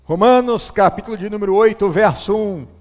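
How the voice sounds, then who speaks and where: A man with a high voice preaching a sermon to his congregation. He swings from loud appeals to soft, low passages. His voice rings out with a long reverb in a church hall. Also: a little fast. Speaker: pastor.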